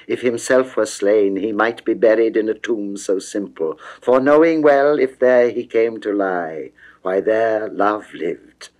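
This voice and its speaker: A man narrating classical poetry as a dramatic reading, declamatory and theatrical, with precise phrasing. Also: fairly low pitch. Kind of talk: dramatic classical verse recitation.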